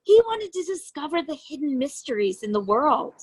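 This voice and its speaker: A woman reading a children's storybook aloud as an educator, with expressive, deliberate phrasing and emphasis on key words. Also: high voice.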